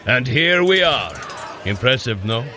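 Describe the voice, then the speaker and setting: A man's voice: mid-range voice, sing-song, a little slow, pushed and bright. An actor playing a hearty, boastful Norse warrior god in an audio drama, a jovial storyteller who teases his brother. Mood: proud, hearty.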